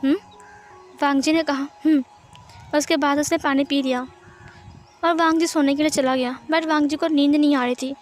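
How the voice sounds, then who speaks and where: A woman narrating a fan fiction story in plain, steady storytelling, tagging each speaker. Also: high-pitched, fairly quick, soft background music.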